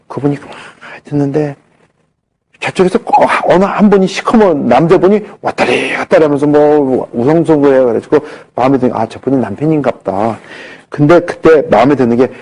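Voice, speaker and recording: A middle-aged man giving a health lecture, telling stories and acting out the dialogue in them. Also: on the high side. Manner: animated, acts out dialogue in his anecdotes.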